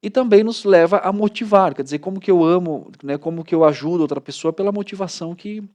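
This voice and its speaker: A man's voice: high-pitched, fast talker. A man in his thirties, a pastor with a Brazilian Portuguese accent, telling stories animatedly in a casual chat. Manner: animated storytelling, many "né" tags. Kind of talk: casual studio talk.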